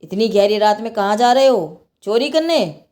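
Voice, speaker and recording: A woman voicing a stern, suspicious male night watchman in a told story, sharp and accusing. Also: mid-range voice, lively intonation, moderate pace, close to an everyday voice.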